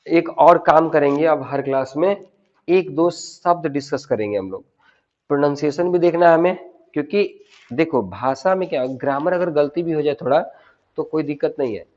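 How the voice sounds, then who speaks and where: A man with a fairly high voice and a teaches spoken to a class. He drills words slowly and repeats them for practice. The recording sounds dull and lo-fi. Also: darkish tone. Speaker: English teacher. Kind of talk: spoken English lesson in Hindi.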